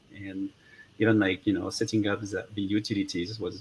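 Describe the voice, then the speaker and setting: Here a man speaks fairly quickly at a fairly low pitch. His voice is somewhat breathy. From France. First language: French. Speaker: startup founder. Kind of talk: panel discussion.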